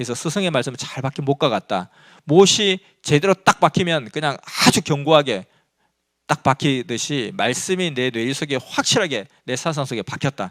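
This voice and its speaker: In a very clean recording with a silent background, a man speaks at a moderate pace. His pitch is fairly high, his tone animated and his intonation lively. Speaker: Bible teacher. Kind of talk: Bible teaching talk.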